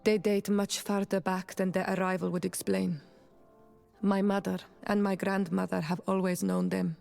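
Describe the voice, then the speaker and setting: A woman's voice: medium pitch, flat delivery, normal speed, vocal fry, a little mellow. An actress playing a proud, resolute young tribal princess in a video game, firm and earnest in her delivery. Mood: composed, earnest. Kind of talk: video game cutscene acting. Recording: background music under the voice.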